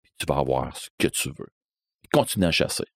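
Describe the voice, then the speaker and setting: A man with a Québécois accent voicing a tall, gaunt, menacing stranger in black, speaking slowly, low and hushed. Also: expressive, breathy edge, dry recording, clean studio sound, exaggerated voice. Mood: ominous. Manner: slow, low, hushed and ominous.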